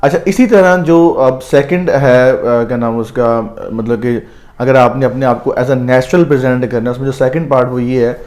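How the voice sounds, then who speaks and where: A man with a Pakistani accent giving advice as a visa counsellor, explaining at length with frequent hesitant pauses. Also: mid-range voice, steady tone, a little mellow. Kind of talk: advisory conversation.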